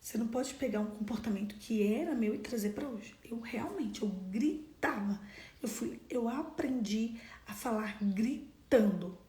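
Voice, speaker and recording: A woman's voice: a little high, measured pace, roomy sound. Woman preaching, dropping to whispers. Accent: Brazilian Portuguese. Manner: earnest, drops to soft whispers for emphasis. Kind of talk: devotional sermon and prayer.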